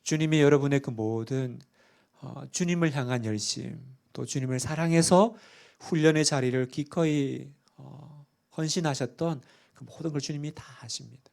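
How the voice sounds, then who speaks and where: A man's voice: mid-range voice, normal speed, creaky, a little mellow. A middle-aged man, a pastor, preaching a sermon in a church and often putting questions to the congregation. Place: church sanctuary.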